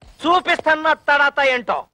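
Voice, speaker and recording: A lisping blowhard husband. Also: male voice, extremely high pitch, expressive, measured pace, bright, forceful tone, no room sound, full character voice. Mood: boastful. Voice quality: lisping childlike speech. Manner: boastful, blustering. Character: boastful lisping man, an auto driver. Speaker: auto driver husband. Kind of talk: film comedy acting.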